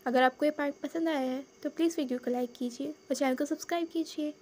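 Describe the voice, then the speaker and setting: High-voiced woman reading a fan story. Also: fairly even intonation, fast talker, darkish tone, slight background noise. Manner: conversational storytelling with speech tags. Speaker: channel host and storyteller.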